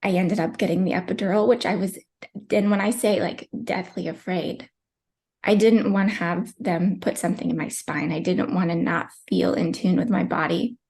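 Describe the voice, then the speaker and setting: A woman's voice: medium pitch, gravelly, darkish tone. A young woman in her twenties, a podcast guest telling a personal birth story in a chatty, emotional way with many fillers. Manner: tearful at times, chatty with many likes.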